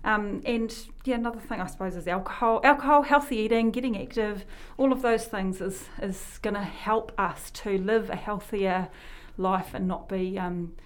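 A New Zealand woman hosting a relaxed radio chat, talking at an easy, middling pitch. She rambles and sidetracks herself, circling back to her points as she goes. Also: normal speed, few pauses. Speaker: health promotion worker and show host.

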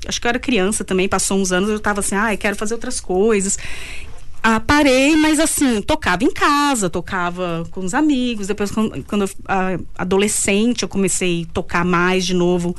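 Chatty Brazilian woman telling stories. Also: mid-range voice. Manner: chatty, storytelling, quick laughs between phrases. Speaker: guest singer-songwriter. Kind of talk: casual interview chat.

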